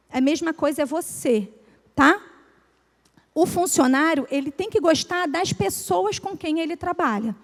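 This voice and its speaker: A woman with a Brazilian Portuguese accent gives a lively motivational business talk to a live audience. She asks the listeners questions and acts out everyday examples. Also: high voice. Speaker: speaker at a business breakfast talk. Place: event room with audience. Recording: live hall with long reverb.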